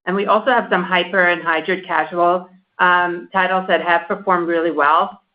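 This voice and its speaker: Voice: mid-range voice, steady tone, moderate pace. A company executive giving a business answer on an earnings call. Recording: dull conference call audio.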